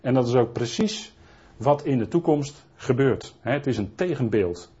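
Male preacher, husky, rambling Bible-study delivery full of restarts, muffled low-fidelity recording. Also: expressive, moderate pace, mellow. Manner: rambling, frequent tag questions and restarts. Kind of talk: Bible teaching sermon. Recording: dull lo-fi recording.

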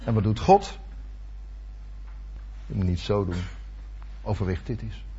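A man's voice: on the low side, expressive, unhurried, dark tone. A man in his sixties, a retired teacher, giving a devotional sermon. He tells stories and acts out his own inner thoughts. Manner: storytelling, acting out inner thoughts. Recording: dull lo-fi recording.

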